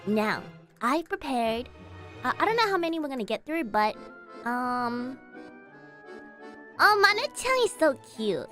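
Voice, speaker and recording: Fields. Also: female voice, high voice, sing-song, a little slow, long pauses, bright, forceful tone, soft background music. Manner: giggly, chatty, checks her audio settings aloud. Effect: heavily compressed mic with added reverb. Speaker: streamer. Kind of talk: casual live-stream chat.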